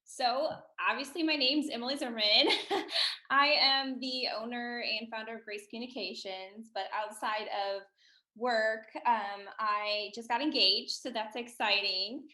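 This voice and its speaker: A chatty woman from Missouri in her thirties talks in a casual interview with a Midwestern accent. Her voice is bright and forceful, and she laughs easily between thoughts. The sound carries a roomy echo. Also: on the high side, fairly even intonation, measured pace. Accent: Midwestern American. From Missouri, USA. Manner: chatty, laughs often, many ums. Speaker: podcast guest.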